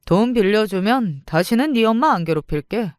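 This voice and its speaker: Woman reading a sneering, wheedling deadbeat dad; slow taunts, dry sound. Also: mid-range voice, expressive, darkish tone, no room sound, voice pushed up, lightly acted. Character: greedy debt-ridden estranged father, middle-aged man.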